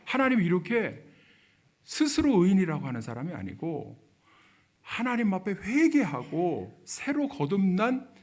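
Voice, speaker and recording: A middle-aged male pastor giving a sermon, dropping to soft low murmurs and rising to loud emphatic preaching, acting out quoted lines. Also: sing-song, unhurried. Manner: acts out quoted speech of biblical figures.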